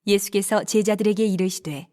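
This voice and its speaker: A woman narrates scripture for an audio Bible drama. Her voice sits in a middle register, and she tells the story in a steady, even manner, keeping the action flowing between the spoken lines. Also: medium pitch, brisk.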